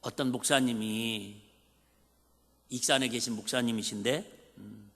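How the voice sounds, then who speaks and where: Bright-voiced Jeolla-accented pastor preaching. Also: male voice, mid-range voice, steady tone, unhurried. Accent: Jeolla Korean. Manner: folksy, conversational preaching with rhetorical questions. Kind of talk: sermon. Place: church sanctuary. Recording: reverberant church hall.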